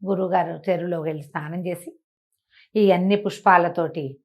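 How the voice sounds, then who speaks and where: Woman storyteller, conversational and unhurried in explanation. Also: fairly low pitch, fairly even intonation, a little mellow. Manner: conversational, explains with asides and rhetorical questions. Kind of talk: oral moral storytelling for children, acting out dialogue.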